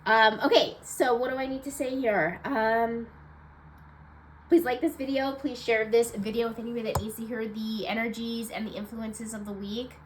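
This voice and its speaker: A woman's voice: fairly high pitch, fairly even intonation, normal speed, a little hiss or hum, low-quality recording. Congested, nasal woman reading cards. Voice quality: nasal, stuffed-up voice. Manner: chatty, rambling, many fillers. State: congested, low energy. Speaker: tarot card reader. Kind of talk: casual weekly card reading.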